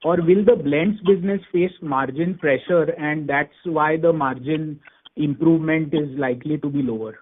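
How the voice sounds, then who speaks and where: Higher-voiced man, phone-line sound. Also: moderate pace. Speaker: analyst caller asking questions. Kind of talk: earnings call questions. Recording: narrow tinny phone line.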